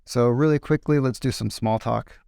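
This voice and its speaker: A man teaching a relaxed English lesson. His voice is gravelly yet smooth and resonant, and it sits close and dry on the mic. He explains slowly, with fillers and simple examples. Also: mid-range voice, no echo. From California. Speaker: English teacher and podcast host. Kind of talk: casual spoken English lesson.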